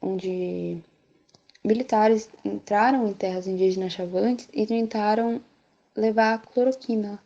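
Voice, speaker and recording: A woman's voice: medium pitch, steady tone, slow, dark tone. A Brazilian woman explaining things as an interviewee, in a dull, lo-fi recording.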